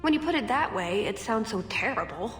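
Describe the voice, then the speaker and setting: A woman's voice: fairly high pitch, lively intonation, fairly quick, lightly acted. A woman playing a wry, earnest elf assassin in a video game, hesitant and apologetic. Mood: wry, sheepish. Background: game music.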